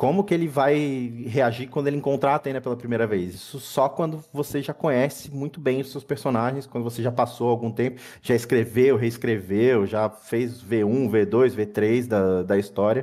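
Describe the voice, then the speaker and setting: Using an ordinary speaking voice, a man talks at medium pitch and a moderate pace with hardly any pauses and ordinary pitch variation, on a very clean recording with a silent background. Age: 30s. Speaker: fiction author. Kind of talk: casual chat.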